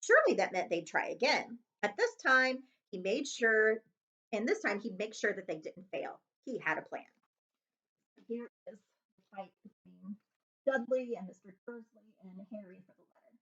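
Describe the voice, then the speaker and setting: A lively, bright female voice narrates a storybook expressively. Her pitch is fairly high, and the recording sounds slightly dull and lo-fi. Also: moderate pace. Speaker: read-aloud host.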